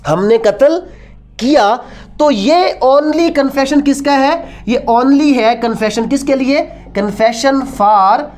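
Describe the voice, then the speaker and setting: A woman's voice: high voice, a little mellow. A woman with a Pakistani accent giving a law lecture in a didactic way, asking rhetorical questions and repeating her points. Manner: didactic, repeats points and questions, switches between Urdu and English.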